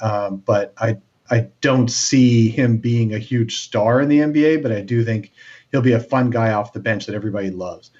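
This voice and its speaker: A man's voice: lowish voice, darkish tone. A man co-hosting a casual sports podcast, talking with lots of fillers and restarts. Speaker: podcast co-host. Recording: dull lo-fi sound.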